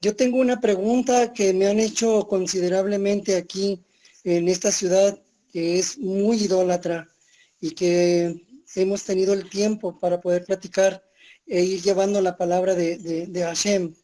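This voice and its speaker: A man's voice: high-pitched, level tone, measured pace, dark tone. A man from Mexico, asking an earnest, somewhat hesitant question in an online class. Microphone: video call.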